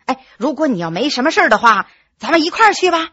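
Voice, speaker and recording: A jovial male friend, played by a woman storyteller, chatting and teasing in a lively, bright voice. The delivery swings easily up and down. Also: high voice, fast talker, no room sound, lo-fi sound, exaggerated voice. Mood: chatty.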